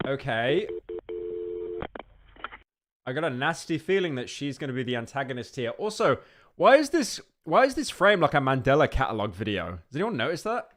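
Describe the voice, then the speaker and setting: A man streaming live and reacting to videos in a loose, casual way. He rambles a little and talks to his chat like friends. His voice sits at an average pitch. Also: very animated, normal speed, a bit bright. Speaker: livestreamer. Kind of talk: casual livestream reaction commentary.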